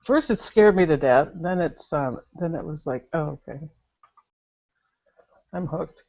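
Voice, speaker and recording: A student at a spiritual gathering shares candidly over a remote video call, telling her story in an animated way, laughing often and sighing. Her voice is low and a little slow, and the video-call audio is muffled.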